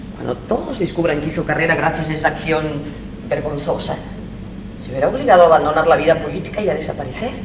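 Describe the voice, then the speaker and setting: A woman talks very fast with a very deep, low pitch. There is noticeable background noise. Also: ordinary pitch variation. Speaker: stage actress. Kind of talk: theatrical dialogue. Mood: cool, persuasive, threatening. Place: stage.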